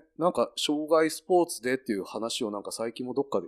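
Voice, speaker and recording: A man talks at a moderate pace. The background is quiet, and the sound is dry and close with no echo. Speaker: amateur cyclocross racer. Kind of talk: casual chat.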